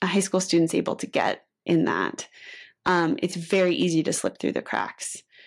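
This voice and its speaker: A woman with an American accent speaks fairly quickly at a fairly low pitch, with vocal fry and fairly even intonation. The recording is very clean with a silent background. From Texas, Houston. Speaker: higher education policy director. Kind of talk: interview.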